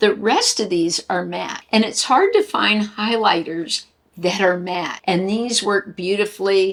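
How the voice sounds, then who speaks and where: In a plain, everyday voice, a woman talks at a fairly slow pace and medium pitch with fairly even intonation. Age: 60s. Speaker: beauty YouTuber. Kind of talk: casual talk to camera.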